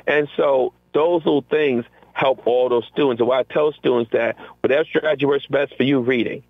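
A middle-aged man talks as a teacher guest on a call-in interview, lively and acting out the voices of his students and himself. His voice comes through a narrow, tinny phone line. There is no room echo at all. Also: mid-range voice, brisk, husky. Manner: energetic, acts out quotes from classroom exchanges. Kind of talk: conversational interview.

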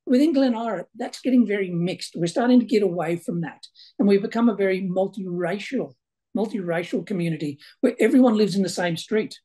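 A man's voice: high voice, a little fast, mellow, husky. A man in his sixties, born in Ireland, talking as a local councillor on a video call from a small room, chatty and repeating words as he goes. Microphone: video call webcam.

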